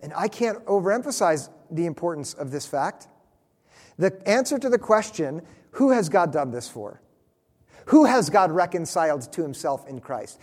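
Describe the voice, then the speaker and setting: A man preaching a sermon, earnest and emphatic, slowing down to stress key phrases. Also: on the high side, sing-song, a little mellow, slightly rough. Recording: long reverb of a large hall.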